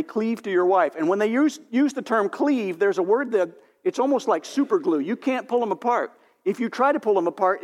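Male pastor, folksy sermon delivery, high voice, long hall reverb. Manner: folksy, acts out sample dialogues. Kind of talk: sermon on marriage.

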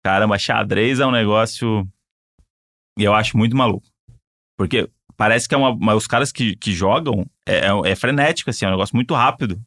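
A man's voice: on the low side, fairly quick, a bit bright, no room sound, studio quality. A young adult man, co-hosting a podcast in a casual, jokey, rambling way. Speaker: podcast co-host. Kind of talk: casual chat.

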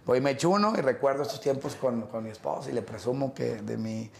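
A middle-aged man, talking as an interview guest. His pitch sits in a middle register, and his stories ramble along with fillers and restarts. The room around him is echoey. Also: fast talker, gravelly. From Mexico. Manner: relaxed, rambling storytelling with many fillers and restarts. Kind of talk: casual interview conversation.

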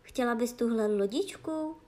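A shy, honest peasant boy speaks earnestly, as a woman reads him. His voice sits a little high and bashful, a fairy-tale country lad. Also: dark tone, lightly acted.

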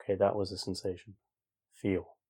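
A man leading a guided meditation in a calm, informal way, speaking gently spaced instructions with long pauses. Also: deep voice, breathy edge. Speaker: meditation teacher. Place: online group session over video call.

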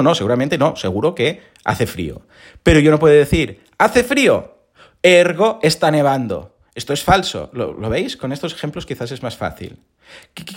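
Male podcast host, animated, pitch swings widely, slightly hoarse, talks straight to listeners. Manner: lively, animated explaining with rhetorical questions. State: recovering from hoarseness. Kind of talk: casual explanatory monologue.

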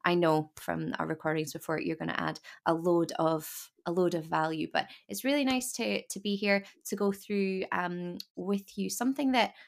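Young woman podcast host, low voice with fry, casual interview tone. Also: moderate pace, hardly any pauses. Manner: warm, chatty, trailing restarts.

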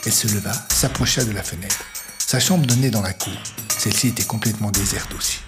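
Low-voiced man narrating a story. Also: fairly quick. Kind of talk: scripted narration of an audio story. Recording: music playing under the voice.

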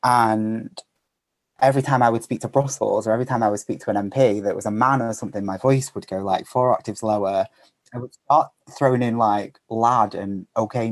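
A man's voice: mid-range voice, dry recording. A man as a podcast guest, talking casually and animatedly, filling his speech with "like" and "kind of.". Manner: animated storyteller, lots of fillers like "like" and "kind of". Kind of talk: casual interview chat.

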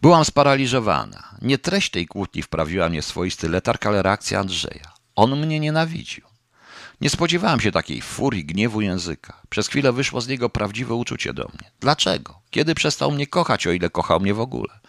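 A man narrates a novel in the first person with a very low, steady voice. His delivery is measured and subdued. The recording is close and dry, with no room echo. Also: gravelly. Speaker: audiobook narrator.

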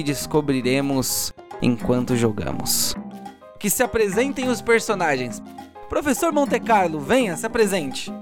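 Brazilian guy game master, dramatic storyteller voice, bit of music behind him. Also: fairly high pitch. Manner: theatrical, measured storytelling. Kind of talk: dramatic narration of a tabletop RPG audio drama. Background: soundtrack music.

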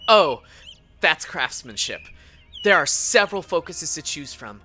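A woman's voice: low voice, sing-song, measured pace, pushed and bright, faint music behind, exaggerated voice. A woman playing a prim, earnest and awkward teenage Boy Scout in a tabletop audio drama, formal and stammering. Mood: nervous pride.

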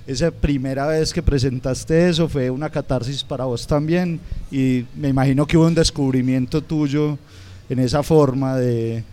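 A man hosts a podcast interview in a warm, mellow voice. He puts his questions hesitantly and pauses to search for the right words. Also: medium pitch, fairly even intonation. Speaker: podcast host.

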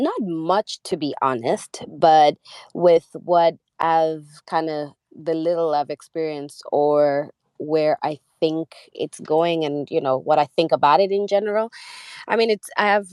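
A young woman from Kenya, a musician guest speaking casually over a remote call, rambling with restarts and soft laughs. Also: low voice, a little slow, clean tone, dry recording. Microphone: remote call audio.

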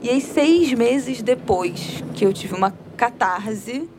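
A woman, co-hosting a podcast and telling a personal story in a chatty, animated way. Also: a little high, slow pace, background noise. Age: 20s. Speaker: podcast co-host. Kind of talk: casual chat, storytelling.

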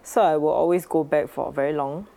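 Singlish-speaking woman w singaporean accent chatting on a podcast, low voice w lots of fry. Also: fairly even intonation, brisk, dark tone. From Myanmar. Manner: colloquial Singlish with particles like lah, lor, mah. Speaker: podcast host. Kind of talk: casual conversational podcast chat.

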